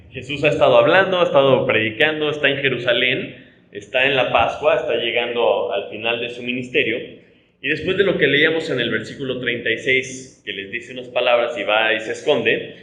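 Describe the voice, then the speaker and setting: A man's voice: medium pitch, fairly bright tone, reverberant, poor audio. A man from Mexico with a Mexican Spanish accent, a pastor teaching a conversational Bible study, explaining with rhetorical tags and frequent restarts.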